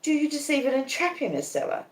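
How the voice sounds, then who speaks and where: Woman playing a young gentleman, earnest, wretched, pleading, storybook reading, echoey. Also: high voice, big pitch swings, fast, pitched above the performer's own voice. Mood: agitated, wretched. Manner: emphatic, pleading.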